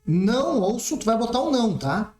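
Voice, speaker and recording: A man's voice: very high-pitched, very animated, normal speed, a little mellow. A man teaching an exam-prep math lesson, explaining step by step and checking in often. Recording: roomy echoey room.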